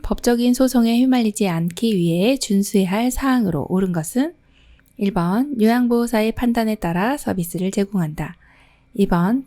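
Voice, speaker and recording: A middle-aged woman teaching an exam prep lesson, her voice mellow and warm in tone. She reads each question and its options out at a measured pace, then explains the answer in a friendly, teacherly manner, with her pitch sitting in a middle range.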